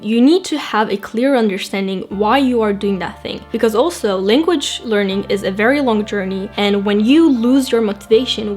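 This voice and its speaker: A woman's voice: mid-range voice, darkish tone. A woman host giving an instructive explainer, addressing her viewers directly with rhetorical questions. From grew up outside Japan. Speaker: language-learning video host.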